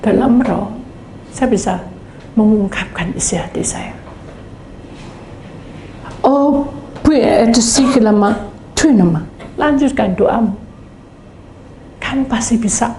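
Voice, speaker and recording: A woman's voice: a little high, takes it slowly, long pauses, dark tone. Woman pastor preaching in an echoey room. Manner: dramatic storytelling, acts out voices. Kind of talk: testimony sermon. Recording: echoey room, faint background noise.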